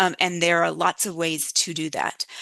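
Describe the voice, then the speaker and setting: In a dry, close recording with no echo, a woman with a fairly low pitch speaks in a bright, sharp tone marked by vocal fry. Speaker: webinar presenter. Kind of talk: webinar presentation. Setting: online webinar. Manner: fast; casual with many fillers.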